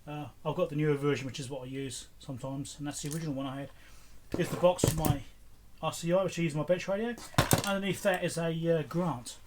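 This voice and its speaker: A man's voice: fairly high pitch, fairly even intonation, fast talker. A middle-aged man hosting a casual, unscripted show-and-tell in a chatty, rambling way. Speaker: electronics repair video host. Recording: clear background noise with clicks.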